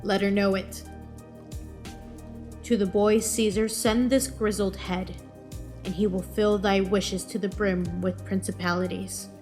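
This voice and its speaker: A woman's voice: mid-range voice, fairly even intonation, unhurried, a little mellow, natural voice. Proud, defiant Roman general, acted by a woman. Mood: wounded, bitter. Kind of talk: Shakespearean audio drama acting. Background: music.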